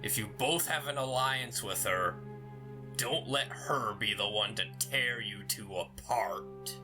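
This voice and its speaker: An actor in an audio drama playing a skeptical, level-headed royal attendant with a measured, deliberate delivery. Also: mid-range voice, music in the background, lightly acted. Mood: resigned.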